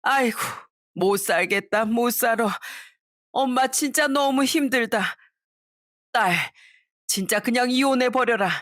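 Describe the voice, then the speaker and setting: A drunk, grasping older mother-in-law, as a woman reader puts her on wails and drags out her words in a raised, slowed voice. The sound is dry and close, in the manner of a storybook reading. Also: fairly high pitch, fairly bright tone, no room sound. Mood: wailing. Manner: slurred, wailing, dragging words.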